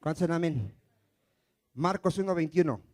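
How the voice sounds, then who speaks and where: A man's voice: on the high side, animated, moderate pace, a little mellow. A male pastor preaching a sermon in church and pressing the congregation with rhetorical questions.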